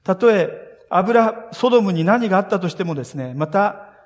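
A man's voice: high voice, fairly quick. Earnest man preaching in an echoing hall. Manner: earnest, expressive preaching with rising emphasis. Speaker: pastor. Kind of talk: sermon. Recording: long reverb of a large hall.

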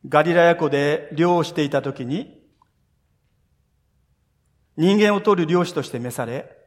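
A man's voice: a little high, unhurried. Earnest male pastor preaching in a reverberant hall. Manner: earnest storytelling, speaks directly to listeners, voices scripture quotes. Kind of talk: sermon. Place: church sanctuary. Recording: long reverb of a church hall.

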